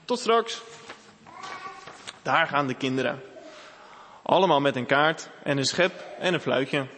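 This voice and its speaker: A man reading a children's story aloud in a clear, expressive way. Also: mid-range voice, normal speed. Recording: echoey room with faint hiss.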